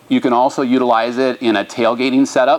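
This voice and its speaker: A man with an American accent speaks at medium pitch with fairly even intonation over noticeable background noise. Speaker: RV dealership presenter. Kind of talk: live product webcast. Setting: dealership parts store. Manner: monotone.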